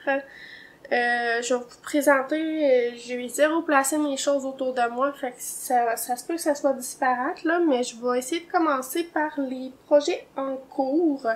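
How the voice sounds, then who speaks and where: Speaking in a Quebec accent, a woman talks at a very slow pace with a high pitch, fairly even intonation, big swings in loudness and hardly any pauses. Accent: Québécois. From Quebec, Mauricie. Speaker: knitting designer and podcaster. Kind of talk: casual knitting podcast chat. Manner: hesitant with many fillers.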